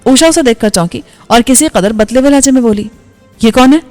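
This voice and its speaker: A woman storyteller narrating a novel in a steady, even reading voice. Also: on the high side. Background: faint background music.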